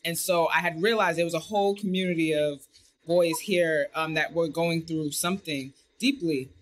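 An American woman speaks as a guest director on a video call. Her voice is on the low side for a woman, and she tells personal stories in an animated, informal way. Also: normal speed, slight background noise. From United States. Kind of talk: casual personal storytelling. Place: indoor room on a video call.

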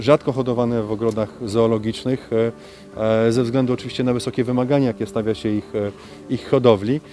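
A man speaking as a local official in a statement for local television, halting with frequent hesitation sounds, recorded outdoors at a zoo. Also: mid-range voice, mellow.

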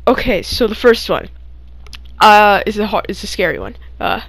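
A young woman casually telling stories of dreams in a puzzled, halting way, repeating and trailing off. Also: mid-range voice, animated, dry recording. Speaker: storyteller recounting own dreams. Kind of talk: casual story time over gameplay.

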